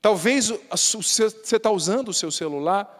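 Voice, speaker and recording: A man's voice: high-pitched, lively intonation, moderate pace, big-room sound. A Brazilian man giving a Catholic sermon in a folksy, humorous way, often adding tag questions. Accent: Brazilian Portuguese. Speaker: Catholic priest.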